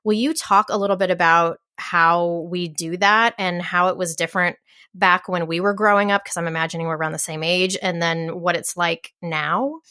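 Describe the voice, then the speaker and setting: A woman's voice: on the low side, steady tone, moderate pace, pushed and bright, smooth, no room sound, studio quality. A middle-aged woman hosting a parenting podcast, chatty and curious, laughing often as she asks questions. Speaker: podcast host. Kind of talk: podcast interview.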